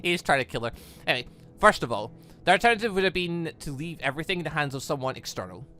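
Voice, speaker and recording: A man's voice: a little high, animated, fast, bright, forceful tone. A man giving let's play commentary as a gaming channel host, often stammering and breaking off to comment. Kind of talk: let's play commentary, reading visual novel dialogue aloud and reacting.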